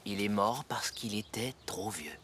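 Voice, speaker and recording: A man's voice: on the low side, unhurried, pushed and bright, a little hiss or hum. A man voicing a patient, thoughtful father in a preschool cartoon, explaining things simply. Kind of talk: French-dubbed preschool cartoon acting.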